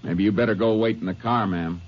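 A man's voice: lowish voice, fairly quick, lo-fi sound, natural voice. An actor playing a firm, laconic Texas Ranger lawman in 1950s radio western style, on an old noisy recording. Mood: calm, considerate. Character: authoritative, steady Texas Ranger lawman, male.

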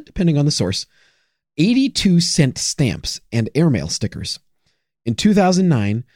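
Male co-host, careful wry narrator, warm mellow voice, dry close mic. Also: medium pitch, no room sound. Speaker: podcast co-host. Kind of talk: true crime podcast narration.

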